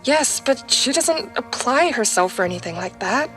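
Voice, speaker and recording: A woman's voice: high voice, expressive, moderate pace, pushed and bright. A woman playing a weary, defeated single mother in her thirties in an audio drama, resigned, hesitant and defensive. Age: 30s. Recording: music under the voice.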